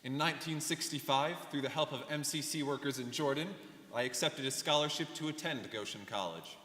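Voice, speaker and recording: A man's voice: medium pitch, fairly quick, a bit bright, natural voice. A young man, a student actor, playing an earnest refugee recounting his life in a rehearsed reading. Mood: earnest recollection. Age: young adult. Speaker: student performer in a dramatic reading. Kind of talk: rehearsed staged monologue. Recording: echoey hall, live stage reading.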